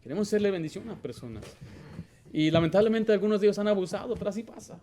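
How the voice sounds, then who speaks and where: A middle-aged man preaching as pastor of a church, putting questions to the congregation and building to loud emphasis. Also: high voice, quick pace, slight background noise. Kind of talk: sermon.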